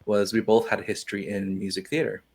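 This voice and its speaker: A man's voice: fairly low pitch, flat delivery, fast, a little mellow. Easygoing man from Hawaii. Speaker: guest musician. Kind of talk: casual interview chat.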